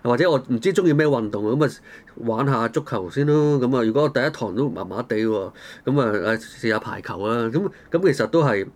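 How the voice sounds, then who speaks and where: A man's voice: mid-range voice, lively intonation, brisk, hardly any pauses. A man with a Hong Kong Cantonese accent hosting a casual discussion, talking colloquially through rhetorical questions and everyday examples. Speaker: talk show host.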